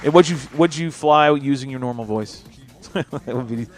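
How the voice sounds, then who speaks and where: A man's voice: medium pitch, moderate pace, a loud crowd, very noisy. A man hosting a casual podcast chat, teasing his co-hosts and laughing often. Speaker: podcast host.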